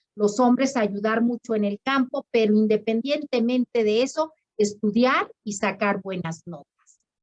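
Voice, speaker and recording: Speaking in a Mexican accent, a woman uses a fairly high pitch and lively intonation at a fairly slow pace. The sound is dry and close, with no echo. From Mexico, Zacatecas. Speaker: judge. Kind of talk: interview.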